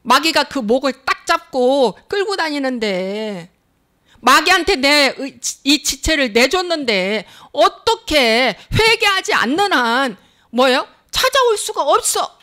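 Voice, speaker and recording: A woman's voice: sits high, sing-song, slow pace, pushed and bright. A woman pastor preaching a sermon in a plain, conversational way, with emphatic, repeated rhetorical questions.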